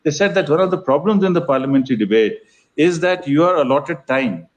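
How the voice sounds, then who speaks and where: Now his voice runs on the high side and sounds animated, though the audio is lo-fi. The older festival organiser with an educated Indian accent talks conversationally in an interview, formal and articulate, yet he pauses, digresses and repeats phrases while explaining.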